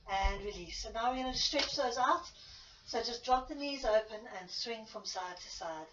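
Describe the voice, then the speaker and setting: A woman's voice: a little high, measured pace. A woman instructing an exercise class in short step-by-step cues and counts, with informal asides, audibly exerting herself as she demonstrates. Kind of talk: spoken workout instruction with counting. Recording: echoey room, distant mic, muffled, faint noise.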